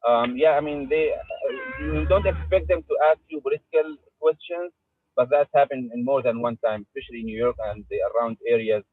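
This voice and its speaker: A man from Syria, a residency applicant, speaking haltingly and softly about his interviews on a video call. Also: mid-range voice, huge pitch swings, no echo. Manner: halting, soft-spoken, plain accounts. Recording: tinny phone-like call audio.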